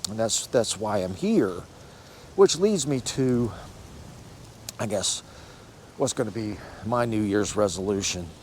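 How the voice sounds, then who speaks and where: This American fitness channel host, in his sixties, rambles encouragingly to camera and frequently corrects himself. He sounds animated yet slow, pausing often, with a lowish, slightly mellow voice and a little hiss or hum behind it.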